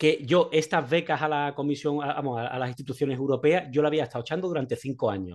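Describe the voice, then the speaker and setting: The talking races along at a very fast pace with ordinary pitch variation over a quiet background. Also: man, fairly high pitch for a man. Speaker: veterinarian and traveller. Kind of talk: casual interview.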